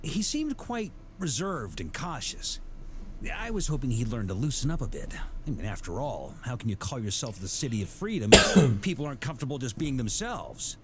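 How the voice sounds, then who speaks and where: An actor playing a jovial, roguish middle-aged knight grandmaster in a video game, hearty and conversational like a theatrical storyteller. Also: male voice, medium pitch, sing-song, normal speed, heavy background noise. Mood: fond, amused. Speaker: game character giving voice lines. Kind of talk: scripted video game voice acting.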